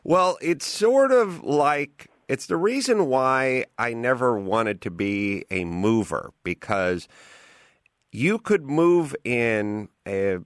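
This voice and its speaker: A male podcast host talks in a casual, rambling way, telling stories with a very lively, swooping pitch. His voice sits in a middle register and the studio sound is dry and close. He sounds like someone used to holding the floor. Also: dry recording. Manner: rambling, animated storyteller. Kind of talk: casual chat.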